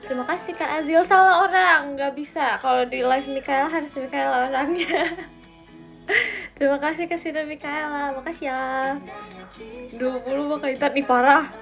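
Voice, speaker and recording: A woman's voice: high-pitched, moderate pace, creaky, a bit bright, faint music behind. A twenty-year-old woman on a casual live stream, reading out viewer comments and answering them in a playful, teasing way with a lot of giggling. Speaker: idol livestreamer.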